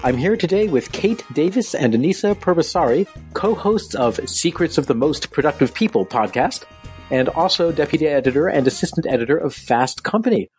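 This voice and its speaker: A man's voice: on the high side, expressive, brisk, darkish tone, soft background music. A man hosting a podcast interview, asking questions in a friendly, wry way. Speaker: podcast host.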